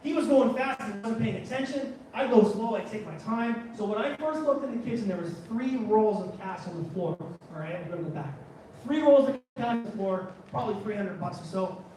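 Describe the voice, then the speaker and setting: A man with a fairly high voice tells a story to a live audience, chatty and animated and forever backing up to restart. The room is very echoey and he sits well back from the mic. A faint hum of the room runs behind him. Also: brisk, far from the mic. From Canada. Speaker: photographer giving a talk. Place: large room at a photography guild talk.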